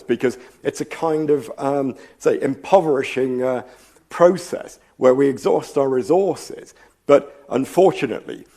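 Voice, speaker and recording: A man's voice: mid-range voice, mellow. A man with a slight cold and a fraying voice, giving a public science lecture in a thoughtful, rambling way, with frequent ums and asides. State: slight cold, losing his voice. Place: lecture hall.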